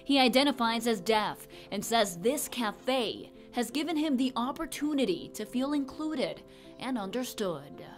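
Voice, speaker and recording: A young woman reporter delivering a scripted news report in a crisp, measured way, partly on camera on a city street. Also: fairly high pitch, expressive, soft background music.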